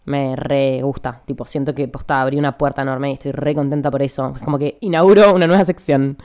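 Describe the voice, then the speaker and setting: A young woman with an Argentine Spanish accent hosting a casual podcast monologue in a hurried, over-energized, chatty way. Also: a bass voice, fairly even intonation, a little mellow. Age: young adult. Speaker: podcast host.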